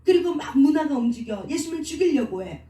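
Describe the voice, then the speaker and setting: A woman's voice: high-pitched, lively intonation, fast, dark tone. A woman pastor preaching a sermon who keeps asking the congregation questions and answering them herself. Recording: echoey room, voice from a distance.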